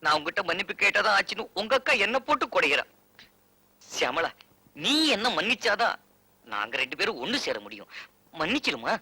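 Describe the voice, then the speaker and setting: An actor playing a flustered young newlywed husband in a film comedy, wheedling and quick to panic. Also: male voice, sits high, big pitch swings, gravelly, bright, forceful tone, breathy edge, exaggerated voice. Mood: pleading. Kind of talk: 1990s Tamil film comedy acting.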